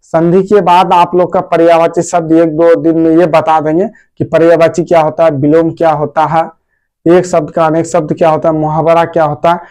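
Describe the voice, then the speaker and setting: A man a high-pitched voice gives an informal grammar lesson. He speaks in a warm, fatherly and repetitive way, addressing his pupils as his dear children. He asks his own questions and then answers them. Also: level tone, fairly quick. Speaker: teacher.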